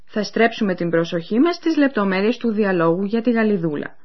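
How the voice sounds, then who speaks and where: A female presenter on a radio course gives scripted educational narration, addressing listeners clearly and explanatorily with an animated pitch. The radio recording is dull, muffled, and lo-fi.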